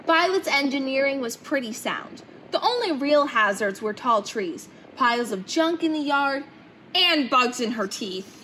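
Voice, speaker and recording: Young woman, high voice, children's story read-aloud, clear background noise in the room. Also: lively intonation, measured pace, pushed and bright, low-quality recording. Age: young adult. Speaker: storybook reader. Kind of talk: reading a children's picture book aloud. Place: indoor hangar-like museum room, seated in open cockpit.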